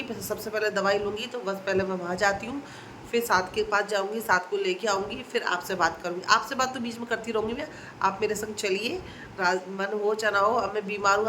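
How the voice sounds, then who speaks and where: A woman's voice: medium pitch, a bit bright, slight background noise, rough recording. A woman chatting casually to her viewers in a daily vlog, sounding stuffy from a heavy cold with a runny nose. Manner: chatty, talks straight to her viewers as friends. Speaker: vlogger.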